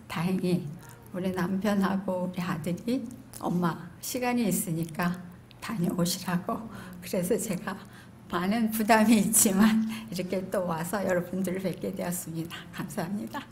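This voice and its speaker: Middle-aged korean woman doing a hesitant self intro, kinda low voice, some background noise. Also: moderate pace, darkish tone. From Korean living in California, United States. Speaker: seminar participant introducing herself. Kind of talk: halting self-introduction to a group. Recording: noticeable background room noise.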